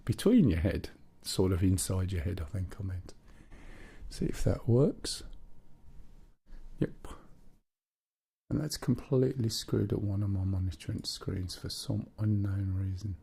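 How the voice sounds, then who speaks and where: Black country bloke streaming a game, gravelly and a bit husky, chatty. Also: male voice, deep voice, measured pace, pauses often, warm tone. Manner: chatty, reads viewer chat aloud. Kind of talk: casual live-stream commentary.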